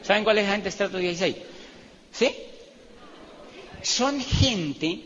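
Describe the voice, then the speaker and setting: A man's voice: high-pitched, slow pace, long reverb tail, a little hiss or hum. A man giving a motivational seminar talk, acting out dialogue and building to emphatic peaks. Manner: animated, acts out dialogue, laughs, rises to emphatic peaks. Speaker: motivational speaker.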